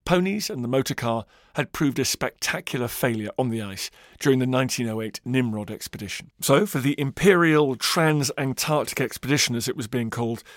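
A man narrating a historical documentary in a measured storytelling way that slows for emphasis. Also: medium pitch, dry recording, clean studio sound.

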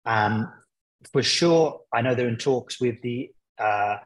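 A man's voice: mid-range voice, takes it slowly, poor audio. A man speaking as a football pundit guest in a conversational interview, explaining his points with hesitant, searching phrasing.

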